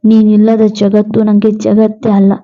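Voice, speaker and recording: A woman voicing a grieving, devoted young husband who speaks in a soft, pleading way. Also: medium pitch, completely flat delivery, moderate pace, phone-quality sound, lightly acted. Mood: tender grief.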